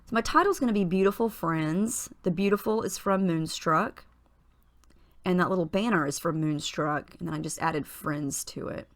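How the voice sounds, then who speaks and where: A woman in a husky morning voice, chatting casually through a voice-over of her scrapbooking process, relaxed, with small fillers and restarts. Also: fairly low pitch, normal speed. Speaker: scrapbooking tutorial host.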